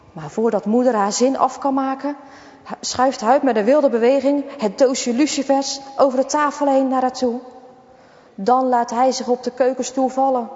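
A woman reading a children's story aloud in a lively, dramatic way. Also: high-pitched. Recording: dull, echoey recording.

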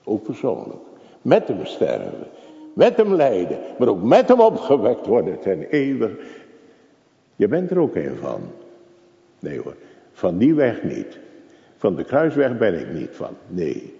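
A man's voice: lowish voice, wildly swooping pitch, a little slow, creaky, long pauses, warm tone. An older man preaching a sermon in a church, dramatic and full of rhetorical questions to the congregation. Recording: echoey, dull church recording.

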